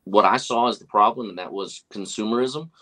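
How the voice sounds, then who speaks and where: A man in his forties talks like a pastor, earnest and a little preachy, on a video call from his office. His voice sits low. He starts sentences again and again and leans on lots of "you know.". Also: a little fast, bright, forceful tone, low-quality recording. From West Texas. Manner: earnest, preachy, many fillers and restarts. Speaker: pastor and guest. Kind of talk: casual video call conversation. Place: office with whiteboard, indoors. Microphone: webcam on video call.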